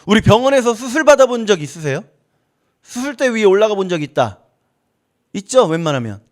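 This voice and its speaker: A man's voice: high voice, big pitch swings, fairly quick. A male pastor preaching a sermon, acting out little dialogues with God. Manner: preaching, acts out dialogues with God in shifting voices. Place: church.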